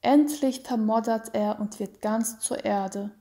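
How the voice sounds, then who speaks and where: A woman voicing a sick young mother in a storybook reading, speaking softly and weakly, often half-whispered. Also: a little high, steady tone, takes it slowly. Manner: soft, weak, half-whispered.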